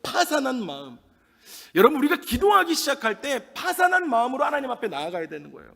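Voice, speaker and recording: A male pastor with a high, lively voice that leaps up and down as he preaches a Sunday sermon. He talks dramatically and stresses each point. His words ring with the long reverb of a large church hall. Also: fast, creaky. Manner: dramatic, emphatic preaching that acts out quoted speech. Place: church sanctuary.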